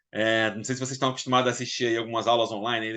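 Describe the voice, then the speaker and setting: A man's bright, sharp voice in a Rio de Janeiro accent. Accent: Carioca (Rio de Janeiro) Brazilian Portuguese. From Brazil, Rio de Janeiro. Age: 40s. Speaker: leadership trainer. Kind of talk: online workshop presentation. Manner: casual, conversational.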